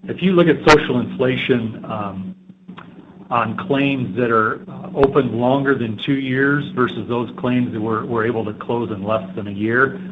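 A man, an insurance executive, giving halting remarks on an earnings conference call, with many fillers. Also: medium pitch. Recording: tinny phone line with faint hiss.

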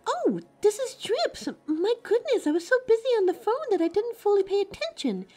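A woman acts out a scattered, flustered customer in an audio drama. Her voice is extremely high yet soft-edged and mellow, with faint music behind it. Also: sing-song, moderate pace. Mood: distracted. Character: flustered, distracted female coffee shop customer. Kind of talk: audio roleplay acting.

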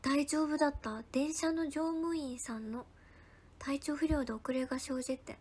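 A young woman chats casually on a livestream, thanking viewers by name and slipping into soft whispered asides. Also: high-pitched, steady tone, normal speed. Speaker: idol livestreamer. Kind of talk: casual livestream chat reading viewer comments.

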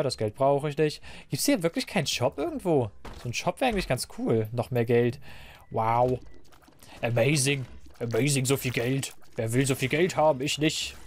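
A man giving casual, playful Let's Play commentary, talking to the game and his viewers, his voice a bit hoarse. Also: medium pitch, a little hiss or hum. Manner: playful, talks to the game and viewers, silly noises. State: slightly hoarse, clearing throat.

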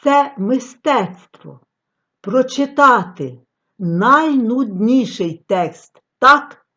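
A woman giving a scripted lecture on artistic reading, with expressive, declamatory delivery and long pauses. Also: on the high side. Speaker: reading teacher. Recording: dull lo-fi recording.

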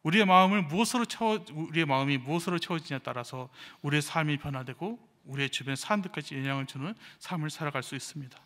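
A young man, an evangelist, giving a sermon with a personal testimony, telling his story with animated delivery and acting out the speech of others, recorded in a church sanctuary. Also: on the high side, quick pace, hardly any pauses. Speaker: evangelist preaching. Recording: reverberant church hall.

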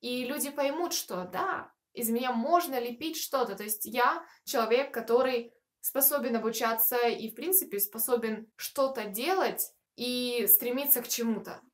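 High-pitched young woman vlogging. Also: moderate pace, few pauses. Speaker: video blogger answering viewer questions. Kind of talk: casual chat to camera. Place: small furnished room, indoors.

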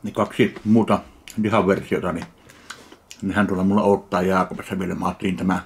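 A man from Finland tasting and reviewing a ready meal in slow, dry, deadpan remarks. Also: deep voice, slight background noise. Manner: slow, dry, deadpan commentary between bites. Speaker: food reviewer. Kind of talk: casual food tasting review.

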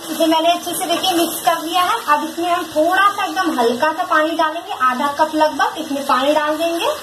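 In an echoey home kitchen, a high-voiced woman presents a cooking demonstration step by step, speaking a little fast yet patiently and repeating every instruction. The camera mic positioned above the pot captures a loud, steady hiss under her speech.

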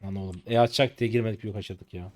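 A man in his late twenties giving live gameplay commentary as a streamer, excitable and exasperated, with rough slangy banter at teammates. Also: on the low side, fast. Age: late 20s. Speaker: gaming streamer.

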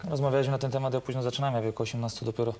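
A man's voice: mid-range voice, little pitch movement, rapid-fire, very noisy. A young man, a guest on a TV sports studio show, answering modestly in short replies. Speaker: studio guest, former player. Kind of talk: casual studio chat.

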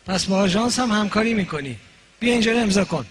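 A man's voice: sits high, lively intonation, slightly rough. A man voicing a bossy male interrogator who fires accusing questions. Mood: bullying.

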